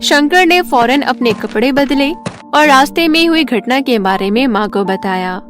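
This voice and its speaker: Casting: female narrator for children's animated stories, very high voice, music underneath. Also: moderate pace. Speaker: storyteller. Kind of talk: scripted children's story narration.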